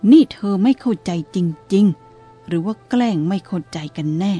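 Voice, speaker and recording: Casting: woman reading a calm old male abbot, warm breathy voice, dry teasing. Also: mid-range voice, normal speed, soft background music, natural voice. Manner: steady, even-toned, dry teasing.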